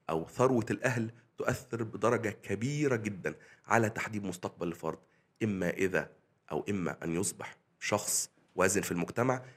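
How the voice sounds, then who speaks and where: An Egyptian-accented man talks at a rapid clip in a casual podcast discussion, laying out his argument point by point. His voice sits a little low and he builds his case with figures. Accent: Egyptian Arabic. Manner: argumentative, explaining with statistics. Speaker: discussion participant.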